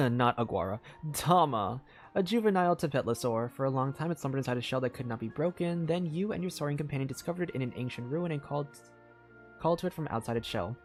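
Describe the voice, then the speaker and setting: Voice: medium pitch, expressive, quick pace. A game streamer giving casual, reactive playthrough commentary, thinking aloud and reading game text. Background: game music.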